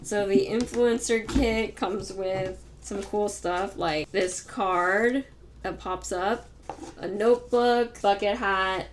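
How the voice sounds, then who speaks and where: A young woman vlogging casually to camera, soft-spoken and chatty, her voice worn and fading from talking all day. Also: medium pitch, steady tone, slow, slight background noise. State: tired, fading voice. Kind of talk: casual vlog talk.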